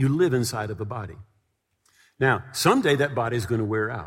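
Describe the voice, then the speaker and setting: A somewhat breathy voice moves at a fairly quick pace on a very clean recording with a silent background. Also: man. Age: 60s. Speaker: pastor. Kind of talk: sermon. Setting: church with congregation.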